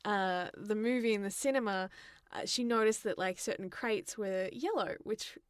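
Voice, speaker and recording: A young woman chats casually as a podcast co-host. Her voice sits at an ordinary pitch for a woman. The sound is dry, with very little room around it, and her delivery is loose and conversational. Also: normal speed, clean tone, dry recording. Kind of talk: casual chat about films and games.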